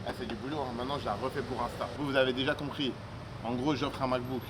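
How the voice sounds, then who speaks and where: Speaking quickly in a steady, medium-pitched voice, a young entrepreneur vlogger addresses the camera casually as he travels. His talk is hyped and slangy, street-style, and the recording is noisy with traffic and street background.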